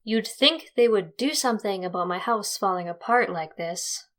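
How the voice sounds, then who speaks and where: A woman's voice: medium pitch, expressive, normal speed, fairly bright tone, lightly acted. A woman playing an exasperated young homeowner in an audio drama. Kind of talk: audio drama character acting.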